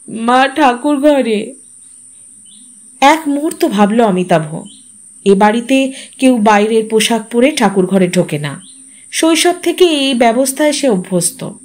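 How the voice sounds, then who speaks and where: A woman narrating a literary story in a measured, expressive storytelling manner. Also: a little high.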